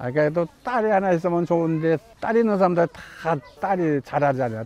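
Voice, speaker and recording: A man's fairly high voice rises and falls with lively intonation against noticeable background noise. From South Korea, Geumsan, Chungcheong. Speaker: elderly interviewee telling life story. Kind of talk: oral history interview. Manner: halting, with false starts.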